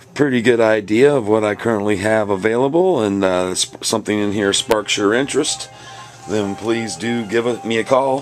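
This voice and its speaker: Faint music plays in the background as a man speaks at a moderate pace. His pitch is fairly low, with ordinary variation. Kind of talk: casual guided tour narration. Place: shop. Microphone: phone near.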